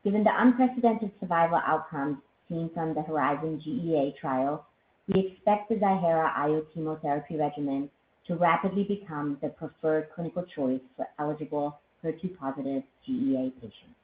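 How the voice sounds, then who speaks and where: A woman executive giving a formal, measured scripted presentation on a corporate earnings call. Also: deep voice. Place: conference call line. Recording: thin phone-like line, roomy echo, faint noise.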